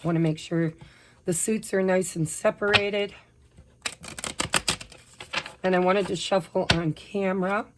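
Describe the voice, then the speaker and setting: A woman with a somewhat low, slightly hoarse voice chats casually through a tarot reading. She shares personal updates and apologizes as she goes, while shuffling her decks. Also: fairly even intonation, a little slow, pauses often, noisy background. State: slightly hoarse, recovering from laryngitis. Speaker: tarot reader.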